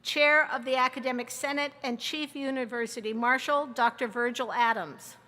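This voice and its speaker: A woman serving as interim provost, reading formal introductions of names and titles in a measured way. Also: fairly high pitch, steady tone, sharp tone, in a large hall. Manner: measured, reads a long list of names and titles. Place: large outdoor or hall ceremony over a PA.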